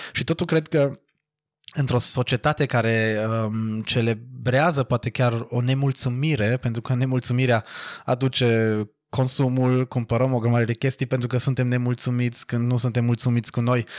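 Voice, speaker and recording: Recorded very cleanly against a silent background, the dry, close sound with no echo catches a man at a medium pitch speaking at a moderate pace in a monotone, flat intonation with very even loudness. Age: 20s. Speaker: Paralympic swimmer and TV moderator. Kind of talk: faith testimony interview.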